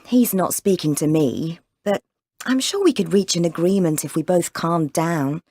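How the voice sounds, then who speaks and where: A woman's voice: lowish voice, animated, moderate pace, mellow, no room sound. A woman playing a self-assured woman in a scripted exam dialogue, describing a falling-out with a friend in a firm tone.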